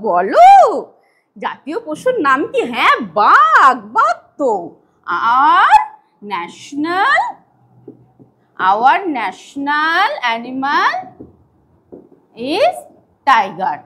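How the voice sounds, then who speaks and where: A high-voiced woman teaching a demo class for small children. Her voice swoops up and down in a singsong, coaxing way. She spells English words out letter by letter. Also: sharp tone. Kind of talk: demo lesson to young children.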